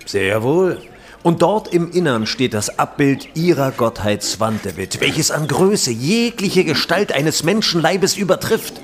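A man's voice: a little high, sing-song, measured pace. A man playing a knowing, cautionary medieval trader in a historical audio drama, with formal, archaic phrasing. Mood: knowing, reverent.

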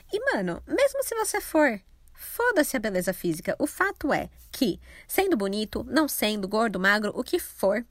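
A woman's voice: fairly high pitch, a bit bright, no room sound. A young Brazilian woman casually telling a true crime story, irreverent and sarcastic, with slang and the odd swear word.

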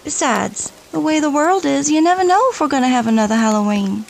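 Very high, bubbly young best friend. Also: female voice, expressive, a little fast, creaky, slight background noise. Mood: teasing, encouraging. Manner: playful, coaxing. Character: bubbly young woman, teasing party-loving best friend. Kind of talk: audio drama acting. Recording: loud music bed behind the voice.

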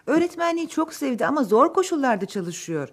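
A woman's voice: high-pitched, very animated, quick pace. An actress playing a newly married young woman in a radio drama, speaking earnestly and insistently about her friend. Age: young adult.

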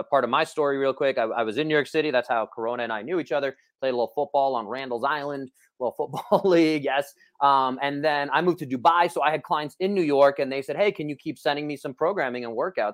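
A man, a personal trainer, chatting energetically on an online call, with many restarts. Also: mid-range voice. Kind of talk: casual podcast chat.

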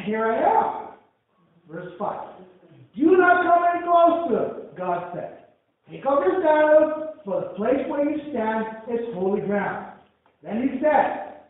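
Nigerian pastor, high voice, echoey church hall. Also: male voice. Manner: fervent, booming when reading God's words. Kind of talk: prayer and scripture reading in a sermon. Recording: echoey hall, far from mic, phone-like band.

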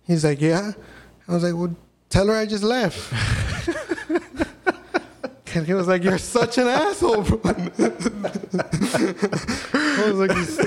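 A man's voice: sits high, big pitch swings, takes it slowly, pauses often, slightly rough. A man in his thirties, a podcast guest, telling blunt, profane stories in casual chat. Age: 30s.

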